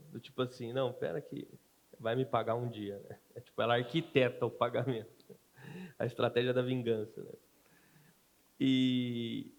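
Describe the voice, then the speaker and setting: A man from Brazil, a pastor preaching a sermon in a conversational way, acting out everyday quotes and often adding short tag questions. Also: mid-range voice.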